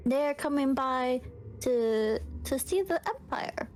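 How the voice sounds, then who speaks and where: A woman's voice: high voice, animated, slow pace, darkish tone. A woman playing a tabletop role-playing game, improvising casual dialogue in an informal, hesitant way.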